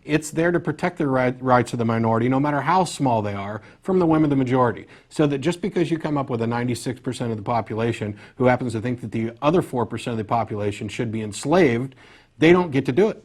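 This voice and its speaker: A man's voice: mid-range voice, fast, darkish tone. A man hosting an unscripted call-in debate, speaking assertively and bluntly and cutting in to make his points. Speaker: talk show host.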